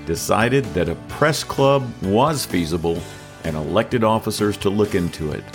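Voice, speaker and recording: A podcast host with a low, deep voice tells a history in a measured, storytelling way before turning to his guest. Soft guitar music plays faintly behind him. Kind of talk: scripted narration and interview.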